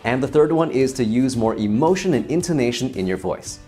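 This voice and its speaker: A man with a middle-pitched voice and lively, swinging intonation teaches presentation skills in an instructional video. He speaks clearly and demonstrates each tip as he goes, with soft music playing faintly behind him. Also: a little fast.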